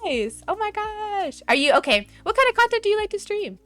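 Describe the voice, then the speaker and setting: A high, bouncy young woman with an American accent hosts a playful, giggly chat, her pitch swinging widely from line to line. Soft music plays under her voice. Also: sing-song, brisk, dry recording. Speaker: host. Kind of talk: casual chat. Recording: faint background music.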